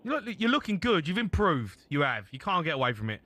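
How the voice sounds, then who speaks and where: A man hosting a late-night sports phone-in with a high, bright voice. He teases callers with cheeky banter and keeps the show moving. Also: very animated, quick pace. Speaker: radio show co-host.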